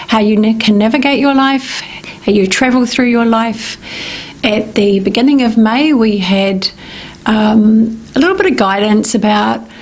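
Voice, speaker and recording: A middle-aged woman from New Zealand with a slightly raised pitch and a gravelly, croaky edge to her voice. She talks unhurriedly on the radio as a life coach, drifting through her points with frequent ums and small restarts. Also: a little mellow, rough recording. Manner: slow, meandering, with many ums and restarts. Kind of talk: casual radio talk segment.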